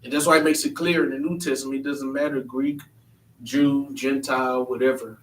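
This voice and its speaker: A man's voice: mid-range voice, little pitch movement, a little fast. A man hosting a church panel discussion, talking earnestly and emphatically, often restarting his sentences. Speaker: panel host. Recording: echoey room, mic at a distance.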